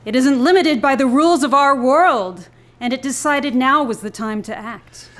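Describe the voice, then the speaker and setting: A woman actor plays a mysterious young woman in a live noir radio play. Her voice is on the high side. She speaks in cool, cryptic, teasing lines that carry a threat. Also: normal speed, a bit bright. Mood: coolly menacing. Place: live on stage in a club.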